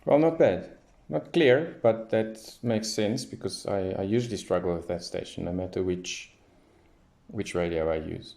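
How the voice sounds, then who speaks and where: A man's voice: sits low, normal speed, creaky, dark tone, slight background noise. A man giving casual hands-on commentary as a radio hobbyist, thinking aloud as he tests. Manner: unscripted, thinking aloud while testing.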